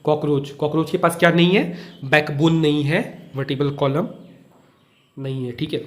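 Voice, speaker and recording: A man's voice: fairly high pitch, steady tone, normal speed. A young man tutoring children in a casual, chatty way, asking questions and answering them himself, repeating each point. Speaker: online olympiad teacher. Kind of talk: casual Hindi tutoring lesson.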